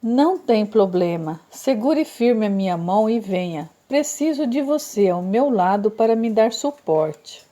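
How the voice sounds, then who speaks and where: A woman voicing a gentle, calm spiritual woman in an audiobook, speaking quietly and reassuringly. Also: mid-range voice, measured pace, few pauses, natural voice.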